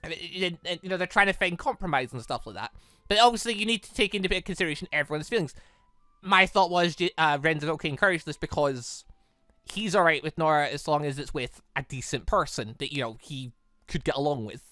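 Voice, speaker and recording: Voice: mid-range voice, a little fast, no echo, clean studio sound, faint music behind. A gaming channel host giving casual, rambling playthrough commentary on a visual novel, exclaiming and reading bits of dialogue aloud. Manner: animated, exclaiming, rambling asides.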